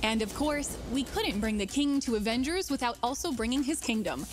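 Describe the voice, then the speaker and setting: Female presenter, scripted promo read, slightly high voice, faint music bed. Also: animated, a little fast.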